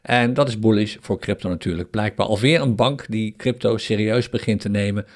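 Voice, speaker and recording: A man hosting a solo crypto podcast in a chatty style, often pausing with fillers. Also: fairly low pitch. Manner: chatty, hesitant with frequent fillers. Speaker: podcast host.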